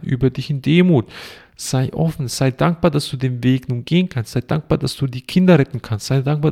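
A man delivers a self-help monologue, piling up rhetorical questions one after another. His voice carries a gravelly fry, and his tone stays preachy and insistent throughout. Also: fairly high pitch, darkish tone. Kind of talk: monologue to camera.

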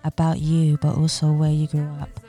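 Brief: woman podcast host, low warm voice, gushing and upbeat, faint music behind. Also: monotone, normal speed. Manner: enthusiastic, effusive praise. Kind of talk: interview hosting.

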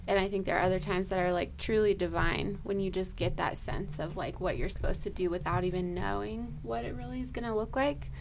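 A woman ER nurse telling a work story in a casual, lively way, laughing often and saying "like" a lot. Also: medium pitch, fairly quick, gravelly, few pauses, noisy background. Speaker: ER nurse guest.

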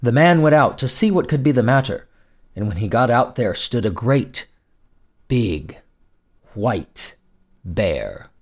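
A man narrating as a storyteller in a gothic, theatrical fairy-tale style, with dramatic, deliberate phrasing. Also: mid-range voice, expressive. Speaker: storyteller, host.

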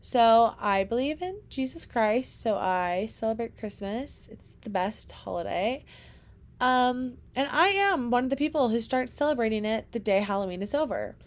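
A young adult woman hosting a casual podcast monologue, animated and chatty, with lots of "like" fillers and rhetorical questions. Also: fairly high pitch, normal speed. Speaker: podcast host.

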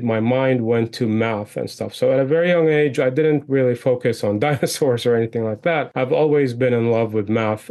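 A man's voice: mid-range voice, a little mellow. A man from Iraq, a guest on a podcast, telling his story in a chatty way with many restarts. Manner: chatty, with frequent restarts and fillers. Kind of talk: interview conversation.

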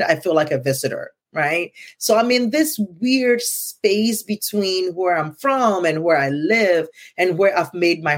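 A middle-aged woman with a Ghanaian accent, hosting a casual conversation in an earnest tone and often checking in with "right?". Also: fairly low pitch. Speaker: podcast host.

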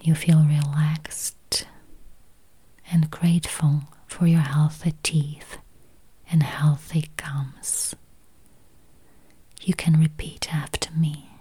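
A woman whispers through a guided meditation at a very slow, unhurried pace. Her low, breathy voice stays flat and even, and she lingers over each counted number and each repeated phrase. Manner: slow, soft, repetitive counting.

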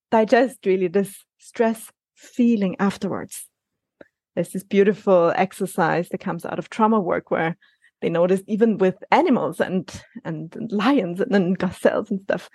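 Gentle, reassuring woman, dry close sound. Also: mid-range voice, dry recording. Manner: gentle, reassuring, with many restarts. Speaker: life coach guest. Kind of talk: conversational interview answers.

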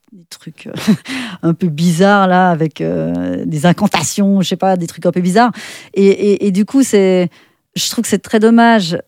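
A middle-aged woman with a Swiss French accent, chatting as a guest in an interview, full of fillers and restarts and quick to laugh. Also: on the low side, mellow, no room sound, clean studio sound. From Switzerland. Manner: chatty, many fillers and self-corrections, laughs often. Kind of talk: casual interview chat.

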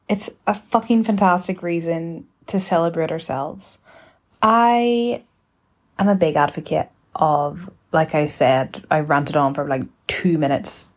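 A woman in her twenties hosting a casual solo podcast, chatty and rambling in an informal, relaxed way. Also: lowish voice. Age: 20s. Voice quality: relaxed, slightly husky. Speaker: podcast host.

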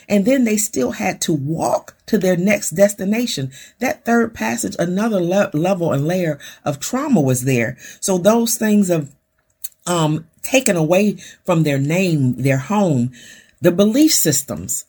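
A woman's voice: fairly low pitch, darkish tone, breathy edge. A woman hosting a podcast, giving a fervent, preacher-like motivational talk in numbered points with lots of repetition. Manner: fervent, preacherly, repeats lists. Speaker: podcast host.

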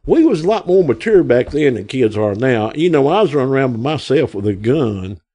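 A man's voice: mid-range voice, very animated, fairly quick, dark tone. A man in his sixties from Arkansas, with an Arkansas accent, telling rambling folksy stories as an interview guest and acting out the voices of people he quotes. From Arkansas, USA. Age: 60s. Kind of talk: casual storytelling.

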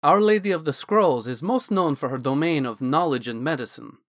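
A man voicing a curious, blithe male dragonborn scholar-mage who lectures in a brisk, lightly excited way. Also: a little high, dry recording, clean studio sound, close to an everyday voice. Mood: explaining.

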